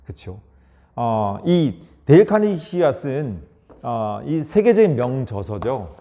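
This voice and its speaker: A man's voice: big pitch swings, slow pace, dark tone. A man giving a lecture on communication between married couples, acting out short spousal exchanges and often asking listeners to agree. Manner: acts out short spousal dialogues with exaggerated pitch; frequently seeks agreement from listeners. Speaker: leadership lecturer.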